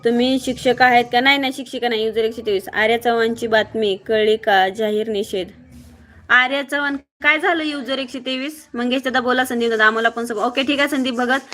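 A woman from Maharashtra hosting a live stream, briskly greeting viewers by name and reading their comments aloud in a blunt, outspoken way. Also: fairly high pitch, steady tone, fairly bright tone. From Maharashtra, near Mohol. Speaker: livestreamer.

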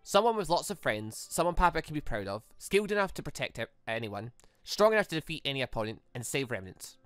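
A let's player voicing an earnest, devoted young female android, reading a visual novel aloud with halting delivery. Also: mid-range voice, very animated, a bit bright, clean tone, no echo, faint music behind. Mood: determined.

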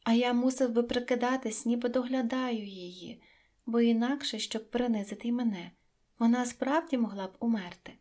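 Woman voicing the Little Prince, high and childlike. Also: moderate pace, darkish tone, natural voice. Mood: sad wondering. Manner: high, earnest, wondering childlike voice. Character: small gentle boy prince, lonely and curious. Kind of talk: audiobook reading.

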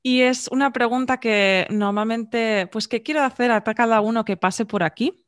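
A young woman with a Castilian Spanish accent hosting a podcast, chatting casually with lively interjections into a studio mic at home. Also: on the high side, smooth. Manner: chatty, warm interjections, quick restarts. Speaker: podcast host. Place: home room, video call. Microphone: large studio mic on boom arm.

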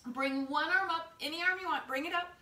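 Her very high-pitched voice is bright and forceful and a little fast as she cues a yoga class through each step, playful, informal and encouraging. The session happens in a living room and is captured by a faraway camera mic, giving a roomy domestic sound.

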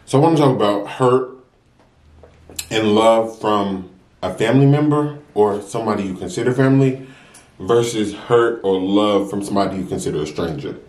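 A young American man chatting casually and earnestly to viewers while eating, unhurried between bites. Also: fairly low pitch, darkish tone. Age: young adult. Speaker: mukbang vlogger. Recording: roomy, echoey sound.

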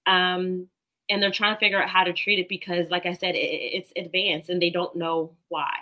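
A woman in her thirties explains medical facts with calm confidence from a room at home. Her voice is bright and a touch low, picked up by a laptop mic. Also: moderate pace. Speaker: doctor and guest. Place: home room, video call.

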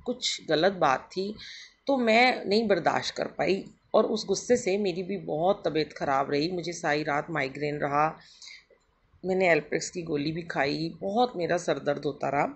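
A woman's voice: sits low, measured pace, creaky, slightly rough. A middle-aged woman giving a devotional satsang talk, telling her story in an earnest, conversational way and addressing her listeners directly. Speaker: satsang speaker.

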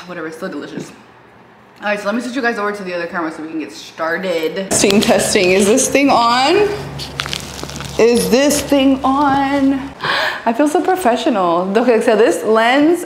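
A woman's voice: medium pitch, lively intonation, moderate pace, roomy sound, background noise. A young woman in her twenties vlogging casually from her home gym on a lapel mic, chatty and giggly, slipping in Spanish phrases. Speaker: fitness vlogger. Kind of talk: casual vlog chat to camera. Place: small home gym, indoors.

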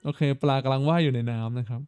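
A man's voice: mid-range voice, racing, a little mellow, smooth, faint music behind. A man hosting a casual live stream, thinking aloud, stammering, repeating words and asking his viewers questions. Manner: talks straight to viewers, asking them questions. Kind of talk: casual live-stream chat while playing.

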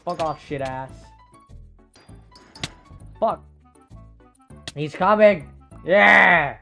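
A man doing casual Minecraft gaming commentary, excitable, swearing often and stammering through restarts. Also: a little high, very slow, creaky, faint music behind. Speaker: Minecraft YouTuber.

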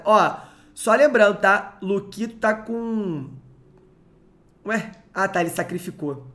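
A young man from Rio de talks into a close desk mic at home while he casts a card game on a live stream. He keeps up a relaxed, slangy running chat and goes off on joking tangents between plays. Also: high voice. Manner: chatty, joking, slangy asides.

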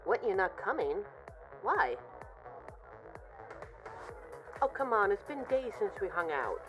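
A woman playing a caring, worried best friend in an audio roleplay, speaking in an earnest, soothing, gently insistent way. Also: medium pitch, big pitch swings, normal speed, faint music behind, lightly acted. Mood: calling out, concerned. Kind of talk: roleplay audio drama monologue, intimate comforting.

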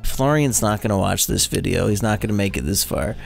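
A man's voice: fairly low pitch, animated, brisk, vocal fry, soft background music. A man co-hosting a casual drunk gaming chat, wry and swearing casually as he reads viewer questions, on a desk mic at home. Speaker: co-host.

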